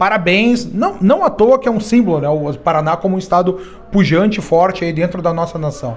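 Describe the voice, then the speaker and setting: A man with a high-pitched voice and ordinary pitch variation keeps a moderate pace against noticeable background noise. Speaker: political analyst. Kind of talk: interview.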